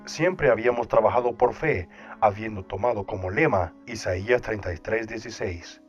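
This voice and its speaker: Guy narrating in a solemn devotional way, kinda low voice, muffled recording. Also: moderate pace. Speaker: audiobook narrator. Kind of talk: scripted first-person narration. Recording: dull lo-fi sound with soft music behind. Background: soft background music.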